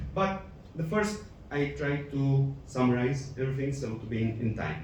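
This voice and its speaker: There is audible room echo around a man speaking at a moderate pace. His pitch is fairly high, with ordinary variation. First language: Romanian. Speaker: academic conference speaker. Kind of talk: conference presentation. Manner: halting, many filler sounds.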